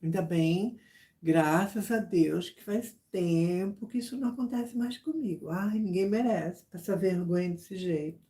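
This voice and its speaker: A woman chatting casually with her viewers, telling a story in an animated way with many repeated phrases and asides. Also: lowish voice, a little slow. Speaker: YouTuber chatting with subscribers.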